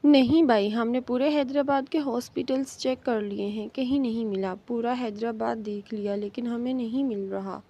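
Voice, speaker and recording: A woman's voice: on the high side, fairly even intonation, hardly any pauses, warm tone. A woman voicing a worried young army captain reporting urgently to his older brother. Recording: dull lo-fi recording.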